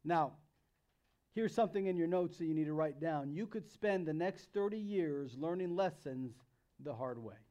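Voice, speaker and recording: A man's voice: fairly high pitch, expressive, moderate pace, warm tone, highs cut off. A man in his thirties with an American accent gives a sermon to young people as their pastor, conversational and emphatic, repeating phrases for emphasis. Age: 30s. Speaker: youth pastor preaching.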